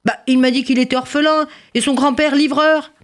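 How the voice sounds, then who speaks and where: A woman's voice: a little high, normal speed, voice pushed up, natural voice. A woman voicing a big black-bearded man who scolds a lost child kindly and rallies a room to help. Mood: concerned, rousing.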